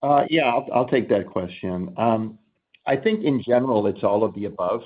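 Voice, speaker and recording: A man answering off the cuff as a company executive on a call, halting as he thinks aloud. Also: fairly low pitch, lively intonation. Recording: narrow tinny phone-line sound.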